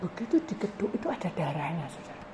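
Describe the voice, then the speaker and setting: A woman's voice: fairly low pitch, fast. A woman pastor, telling a testimony in her sermon and acting out the voices of the people in it. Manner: animated storytelling, acting out voices in dialogue. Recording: noisy live recording.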